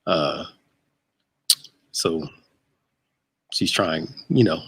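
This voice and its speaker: A man's voice: a bass voice, extremely slow, fairly bright tone, slightly rough. A man in his thirties, a pastor hosting a casual chat show from a church sanctuary, laid-back and joking. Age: 30s.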